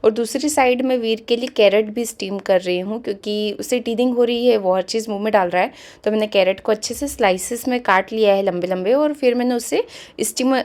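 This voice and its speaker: A woman, a mother and vlogger, explaining her baby's daily routine in a calm, matter-of-fact voice-over. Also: medium pitch. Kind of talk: vlog voice-over narration.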